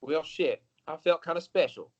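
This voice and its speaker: A man playing a clueless, easily thrilled tourist in an improv comedy scene, talking excitably and swinging between awe and letdown. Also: fairly high pitch, moderate pace, lo-fi sound. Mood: puzzled.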